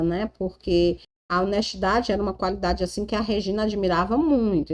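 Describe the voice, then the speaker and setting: A woman's voice: mid-range voice, darkish tone. A woman with a Brazilian Portuguese accent retelling a romance novel in a chatty, casual way, full of tag questions. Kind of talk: casual storytelling.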